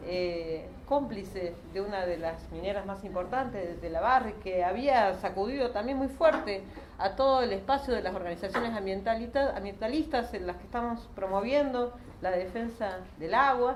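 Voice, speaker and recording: Speaking at a moderate pace with lively intonation, a woman with a Cordoban accent and a medium pitch is heard through audible room echo and noticeable background noise. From Córdoba, Argentina. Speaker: social organization leader and parliamentary staff. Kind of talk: panel talk. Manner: halting.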